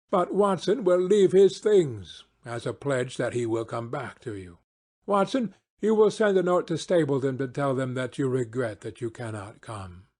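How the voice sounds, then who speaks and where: A man's voice: fairly high pitch, a little mellow. A man playing a confident, eager male detective in an audiobook, with commanding, precise phrasing. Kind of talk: audiobook character acting.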